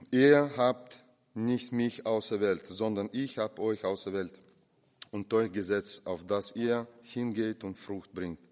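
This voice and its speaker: Preaching man in an echoing hall. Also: fairly low pitch. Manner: impassioned, swings between loud and hushed. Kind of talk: sermon. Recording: long reverb of a hall.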